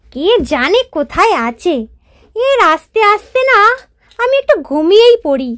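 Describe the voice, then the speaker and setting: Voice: extremely high pitch, fairly bright tone, full character voice. A performer voicing a boastful, overconfident hare in a children's cartoon, talking in a smug, mocking way. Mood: contented, sleepy. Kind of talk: children's moral-story cartoon dialogue.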